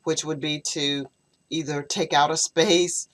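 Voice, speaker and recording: A woman with a notably low voice, tutoring English over a video call from home. She explains patiently and at length, laying out her methods step by step. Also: steady tone. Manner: explanatory, measured. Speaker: English teacher. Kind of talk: online tutoring session. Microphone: computer video call microphone.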